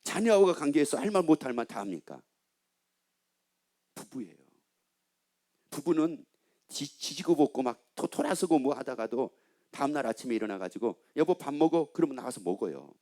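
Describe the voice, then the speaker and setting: A man's voice: mid-range voice, big pitch swings, moderate pace, long pauses, a little mellow. A middle-aged male pastor preaching a sermon, asking the congregation questions and answering them himself, and acting out the lines of a scolding father.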